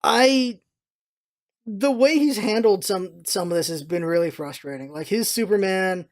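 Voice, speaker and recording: A man's voice: high-pitched, a little slow. Rambling man in casual opinionated commentary. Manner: rambling, repeats himself for emphasis. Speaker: vlog host, gaming content creator.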